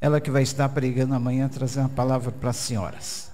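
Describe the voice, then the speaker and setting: A man's voice with a dark, mellow tone. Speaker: pastor. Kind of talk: church welcome and prayer. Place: church. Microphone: handheld.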